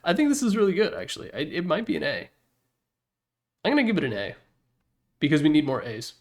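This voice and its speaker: A man's voice: on the high side, huge pitch swings, fast talker. A man giving casual, opinionated commentary as the host of a ranking, talking in a rambling, blunt, slangy way. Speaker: host ranking video game announcer packs.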